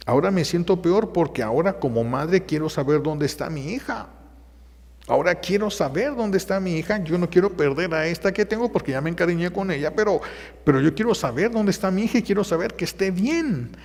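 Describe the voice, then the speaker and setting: A man's voice: lively intonation, a little fast, a little mellow, long reverb tail. A man voicing a distressed young mother who pleads that she was never unfaithful, in a raised, pleading tone. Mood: anguished. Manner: pleading, raised-pitch retelling.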